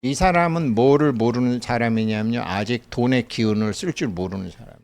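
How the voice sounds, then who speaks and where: A middle-aged man lecturing in a loose, conversational way. His voice sits at a medium pitch, and he keeps breaking into anecdotes, acting out the dialogue and chuckling along the way. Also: fairly quick, a little mellow. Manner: chatty storyteller, laughs often, acts out dialogue.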